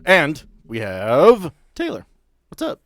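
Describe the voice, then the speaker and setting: A man's voice: a little high, huge pitch swings, slow pace, no room sound, clean studio sound. A man acting as podcast host and game master, moving between casual banter and narrating the game.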